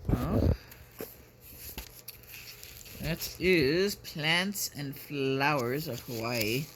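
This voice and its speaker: A man in his fifties vlogging casually, talking in a halting, musing, rambling way. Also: fairly high pitch, animated, a bit bright, low-quality recording. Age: 50s. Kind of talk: casual chat. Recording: noticeable background noise.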